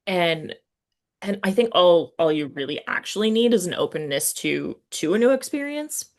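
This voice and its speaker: This woman's pitch is fairly low, her delivery expressive and at normal speed. She interviews a guest on a casual literary podcast, drawing on her role as a writing teacher, speaking informally and thinking through her questions aloud.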